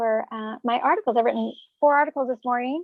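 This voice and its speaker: High in pitch, this woman's voice carries an American accent. She is the only speaker described. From US South, North Carolina. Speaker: journalist and writer. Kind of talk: interview conversation. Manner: soft-spoken.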